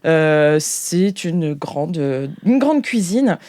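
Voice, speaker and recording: A woman's voice: sits low, big pitch swings, very slow, darkish tone, no echo, studio quality. A woman improvising narration as game master of a sci-fi tabletop roleplay, hesitant and searching for her words.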